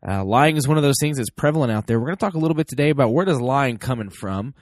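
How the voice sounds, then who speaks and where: A man's voice: medium pitch, lively intonation, racing, dry recording, studio quality. A man hosting a solo parenting podcast, sounding a little stuffy from a cold, talking casually with frequent fillers. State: stuffy nose. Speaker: podcast host.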